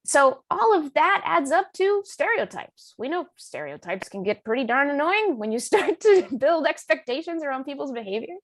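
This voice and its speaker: A woman author being interviewed, speaking in an animated, emphatic and informal storytelling way. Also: sits high, moderate pace, few pauses, no room sound. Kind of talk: conversational storytelling in a public talk.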